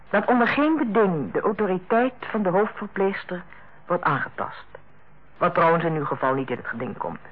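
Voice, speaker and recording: An actress in a Dutch radio play as a female hospital director, authoritative yet kindly, speaking in a measured, formal and persuasive way. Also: mid-range voice, breathy edge. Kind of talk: Dutch radio drama acting. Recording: muffled, band-limited old radio recording.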